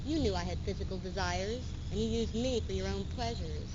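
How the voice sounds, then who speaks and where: A woman's voice: medium pitch, fairly quick, natural voice. Through a muffled, noisy 1970s tape comes a bitter, sensual woman acted by a female stage reader. She declaims insistently in readers theater style. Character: bitter, sensual woman, desire-driven self of divided woman.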